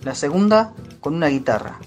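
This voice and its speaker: A woman narrates a radio play in a low register. She reads scripted stage action, and faint music sits behind her voice. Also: lively intonation, fairly quick, a little mellow.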